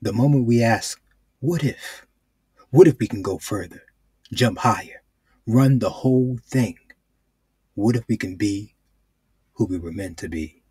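A man's voice: on the low side, unhurried, long pauses, dark tone, slightly rough, no echo. A man reading commercial voice-over scripts in a polished announcer delivery. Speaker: voice-over artist.

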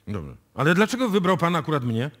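A man's voice: on the high side, big pitch swings, brisk, fairly bright tone. An actor playing a wry, probing male police inspector in a radio play, terse and questioning. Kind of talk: live radio play acting.

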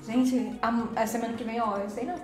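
A woman's voice: a little high, fairly even intonation, a little fast, a little mellow. Woman, live-stream chat, playful and teasing, echoey room, faint music behind. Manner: chatty, playful, teasing viewers.

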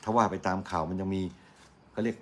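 Deep-voiced chatty male news commentator. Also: steady tone, fast talker, slight background noise. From Thailand. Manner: chatty, argumentative, quotes critics in a mocking tone. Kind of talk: casual morning news commentary.

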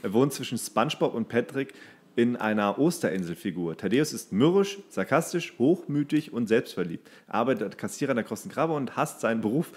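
A man's voice: mid-range voice, animated, fairly quick, darkish tone, husky. A man co-hosting a casual podcast, reading entries aloud and now and then stumbling over the words. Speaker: podcast co-host.

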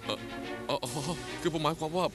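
A man's voice: a little high, fairly quick, over music, close to an everyday voice. A man dubbing a Thai TV drama, playing a flustered young man who stammers to cover a lie.

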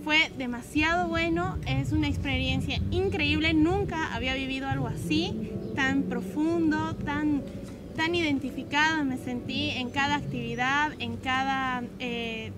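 A woman's voice: high-pitched, a little slow. A twenty-year-old woman from Bolivia, giving a hesitant testimony full of restarts, sitting outdoors on a park lawn and filmed by a distant camera. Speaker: camp participant. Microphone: far camera. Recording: loud music underneath.

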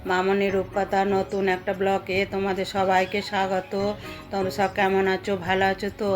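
A middle-aged woman speaks Bengali with a West Bengal accent in a casual vlog voice-over. Her voice is mid-pitched and stays fairly flat as she chats directly to her viewers about everyday home life. Music plays clearly behind her. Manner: chatty, addresses viewers directly as friends. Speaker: homemaker and vlogger. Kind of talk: casual vlog voice-over narrating cooking and household routine.

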